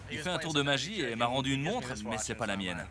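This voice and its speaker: A man's voice: medium pitch, sing-song, fast talker, a crowd in the background, lightly acted. A man dubbing a pranked guy, protesting in an exasperated way. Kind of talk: dubbed reality-show dialogue.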